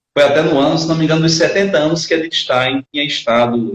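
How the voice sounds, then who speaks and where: This man's voice is somewhat breathy. He talks very fast, and his pitch varies in an ordinary way. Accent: northeastern Brazilian. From Brazilian Northeast sertão, Patos, Paraíba. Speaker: philosophy professor. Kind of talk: interview answers. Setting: online live stream.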